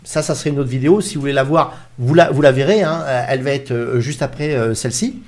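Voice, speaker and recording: A man's voice: mid-range voice, fast talker, a little mellow. A man talking casually to his camera, rambling with many fillers and restarts as he recounts a story. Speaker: YouTuber recounting a TV interview.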